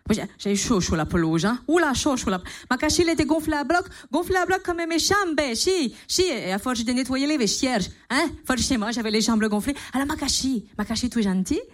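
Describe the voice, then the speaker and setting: Woman putting on a cleaning lady, fake Spanish accent, fussy, teasing, high voice, radio studio. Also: expressive, a little fast, hardly any pauses. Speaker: radio comedy character. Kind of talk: comedy sketch.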